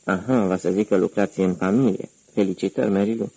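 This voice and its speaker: A man voices a quietly threatening gangster in an audiobook thriller, calm and cold. His delivery is very low and even, with a gravelly, husky texture and a dry sound. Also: no echo, heavily acted, rough recording. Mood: menacing. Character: menacing middle-aged male gangster, cold interrogator.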